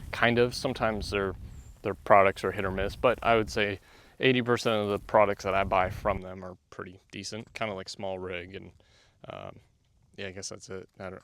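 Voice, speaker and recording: A man's voice: lowish voice, vocal fry, fairly bright tone, clear, resonant tone, dry recording. A man reviewing camera gear as a vlogger, rambling and thinking aloud while testing small wireless mics outdoors. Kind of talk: casual outdoor mic test talk. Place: outdoors in the wilderness, wind at times. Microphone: small wireless clip-on mic, moved around.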